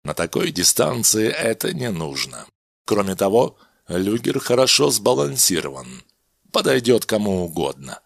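A man voicing a cold, calm male doctor who speaks in measured, commanding phrases, with a husky voice, in a storybook reading. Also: fairly low pitch, no echo, clean studio sound, full character voice. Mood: matter-of-fact.

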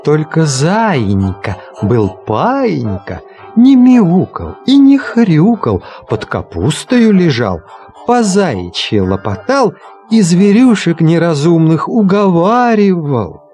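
A man performs children's verse for an audio storybook, playful and expressive, tossing in animal noises. His voice is high and wildly animated, rising and dipping with every line. He takes it slowly, savoring each rhyme. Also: faint music behind.

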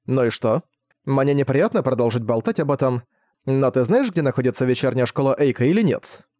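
A man's voice: mid-range voice, lively intonation, fairly quick, mellow, dry recording, studio quality, lightly acted. A man voicing a self-assured adult woman traveller who talks bluntly and offhandedly, in a storybook reading. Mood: teasing.

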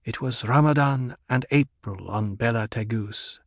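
A man's voice: medium pitch, measured pace, gravelly, no echo, studio quality. A man voicing a grave tribal woman in an audiobook, speaking in ceremonial, incantatory phrases. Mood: wistful, ceremonial.

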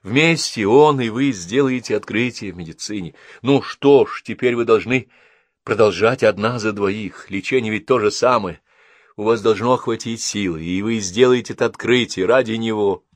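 A man voicing a gentle, grieving young woman in an audiobook, speaking earnestly and pleadingly. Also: on the low side, lively intonation, a little slow, dry recording, voice pushed up. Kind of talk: audiobook character voice.

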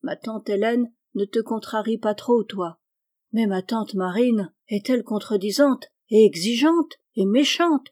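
A woman's voice: fairly high pitch, unhurried, a little mellow, close to an everyday voice. A woman reading aloud, voicing a sulky young boy who complains and whines. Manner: whining, complaining. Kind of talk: audiobook reading.

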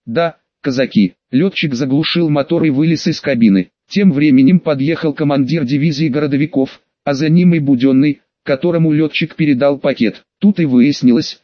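Guy reading an audiobook, slightly high voice, dry dull-ish recording. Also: dry recording. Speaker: audiobook narrator. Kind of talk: first-person audiobook narration.

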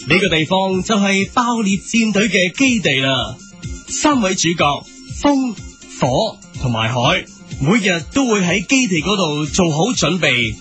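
A man's voice: sits high, very animated, unhurried, fairly bright tone, faint music behind. A man narrating a superhero cartoon parody in a heroic announcer tone. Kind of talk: scripted dramatic narration.

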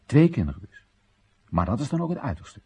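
A man's voice: mid-range voice, big pitch swings, fairly quick, darkish tone, breathy edge, exaggerated voice. An actor in a radio play monologue playing an earnest, dutiful and wistful young man who explains things emphatically. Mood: emphatic, stern.

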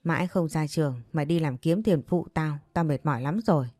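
A woman's voice: deep voice, fairly quick, mellow, dry recording, clean studio sound. A woman voicing a weary middle-aged mother who scolds her daughter harshly, read in a storytelling voice. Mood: scolding.

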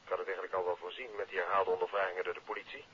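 A man acting an aggrieved, talkative bank employee with a husky voice, heard through a telephone in a 1950s radio serial. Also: low voice, little pitch movement, rapid-fire, pushed and bright, a little hiss or hum. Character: male bank employee, aggrieved, wordy, uneasy. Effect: telephone filter. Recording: thin, narrow telephone-style old radio sound.

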